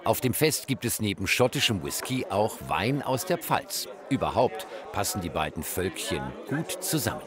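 A man reading a scripted TV news voice-over at a brisk, lively pace. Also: fairly low pitch, crowd noise. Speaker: news reporter. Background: bagpipe music.

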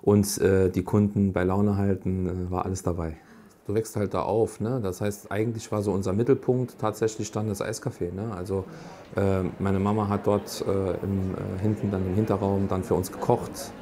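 A man in his thirties with a Saarland accent, talking in a halting interview with many fillers. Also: deep voice, flat delivery, dark tone, a little hiss or hum. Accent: Saarland German. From Germany (Saarland). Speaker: restaurant co-owner. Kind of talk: interview statement.

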